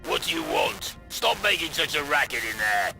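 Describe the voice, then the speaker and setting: A man's voice: mid-range voice, wildly swooping pitch, moderate pace, creaky, over music. A man playing an officious, irritable, fussy prison guard in a video game, curt and pedantic. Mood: irritated.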